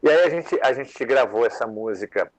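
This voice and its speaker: A man's voice: medium pitch, animated, normal speed, no echo, low-quality recording. A man, a songwriter, talking loosely about his work as a guest on a live panel, with lots of fillers. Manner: rambling, many fillers, conversational. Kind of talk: casual interview talk.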